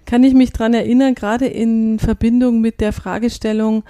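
A woman's voice: on the high side, flat delivery, moderate pace, mellow, dry recording. A woman hosting a casual interview, asking questions in a teasing, playful way. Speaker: podcast host.

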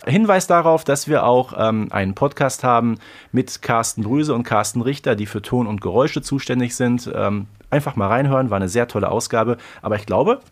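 Man, podcast co-host, relaxed chat, mid-range voice. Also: mid-range voice, moderate pace. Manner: relaxed, tags on "ne?". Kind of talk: casual chat.

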